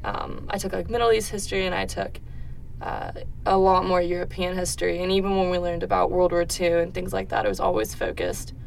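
A woman's voice: fairly low pitch, a little fast, gravelly, low-quality recording. A young American woman giving casual answers in an interview. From Netherlands, born in the US. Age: young adult. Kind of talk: casual interview answers about growing up abroad. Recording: faint background noise, room ambience.

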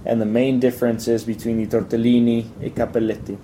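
A young man from Italy chatting casually in an interview, relaxed and halting, with lots of fillers and restarts. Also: medium pitch, a little hiss or hum. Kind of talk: casual chat.

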